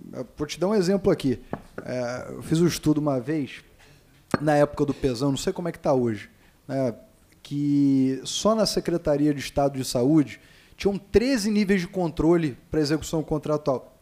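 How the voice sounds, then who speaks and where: A man, his voice a touch high and mellow, answers as an invited expert in a legislative hearing room. He speaks plainly and leans on rhetorical questions. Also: expressive, normal speed. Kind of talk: spontaneous committee speech.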